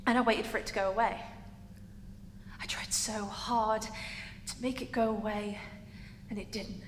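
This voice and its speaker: A woman playing a hurt, defiant young gay woman in a halting, emotional theatre monologue. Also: medium pitch, fairly even intonation, natural voice. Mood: pained, resolute. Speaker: acting student. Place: large reverberant indoor room. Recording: echoey hall with background noise.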